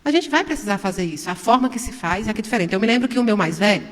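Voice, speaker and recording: A woman's voice: mid-range voice, animated, rapid-fire. A middle-aged woman from Brazil giving an informal spiritist talk to an audience in a large hall, chatty, putting questions to the listeners. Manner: chatty, asks the audience questions, acts out shouts. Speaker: spiritist lecturer.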